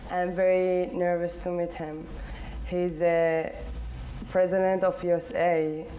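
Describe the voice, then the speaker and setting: Soft-spoken young woman, halting English. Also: fairly low pitch, level tone, slight background noise, low-quality recording. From Ethiopia. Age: 20s. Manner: halting non-native English with many fillers. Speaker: interviewee. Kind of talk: interview answers. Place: indoor living room.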